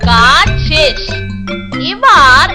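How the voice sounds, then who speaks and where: A woman's voice: sits high, big pitch swings, extremely slow, over loud music, exaggerated voice. A woman voicing a mischievous little schoolboy prankster in a cartoon, with sly, exaggerated delivery. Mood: conspiratorial.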